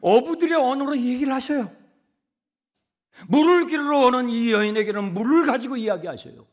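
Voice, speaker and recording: A man preaching a sermon from the pulpit. He drops to hushed whispers, then repeats words loudly for emphasis, and keeps asking the congregation questions. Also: extremely high pitch, normal speed. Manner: swings between hushed whispers and loud emphatic repetitions; conversational, asks the congregation questions. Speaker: pastor. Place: church sanctuary pulpit.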